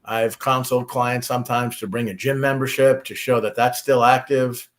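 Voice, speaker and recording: Immigration attorney, easygoing advice. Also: male voice, mid-range voice, little pitch movement, normal speed. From United States. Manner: conversational, many restarts and fillers. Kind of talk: casual Q&A advice.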